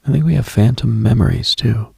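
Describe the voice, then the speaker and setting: Male late-night host, heavy vocal fry, very dry close sound; intimate, husky, unhurried, contemplative ASMR-style delivery. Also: mid-range voice, dry recording. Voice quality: husky, gravelly, breathy. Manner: hushed, unhurried, contemplative, addresses listener directly.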